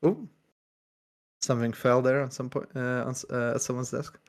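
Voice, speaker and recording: A man co-hosting a podcast, giving a thoughtful, measured review of a story with casual fillers. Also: mid-range voice, steady tone. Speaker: podcast co-host. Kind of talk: casual book discussion.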